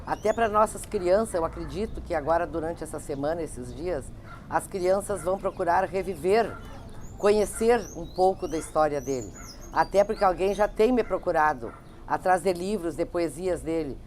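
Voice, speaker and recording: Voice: medium pitch, expressive, normal speed, a little mellow, a little hiss or hum. A teacher speaking earnestly in a documentary interview. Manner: earnest, reciting verses from memory.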